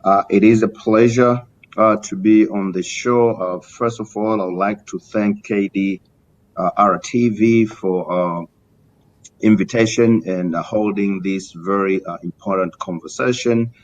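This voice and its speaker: Muffled, low-voiced Tanzanian man, halting. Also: fairly even intonation. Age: middle-aged. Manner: halting, formal and courteous, many hesitations. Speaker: interview guest, community business leader. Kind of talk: live interview answers. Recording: muffled lo-fi link with rumbling noise.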